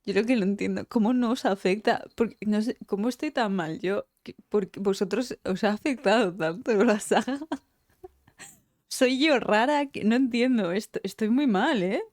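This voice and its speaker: A woman's voice: mid-range voice, normal speed, a little mellow, no echo, studio quality. A woman with a Spain Spanish accent chatting casually on a live stream, teary after crying, emotional and rambling and swearing freely. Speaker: game streamer.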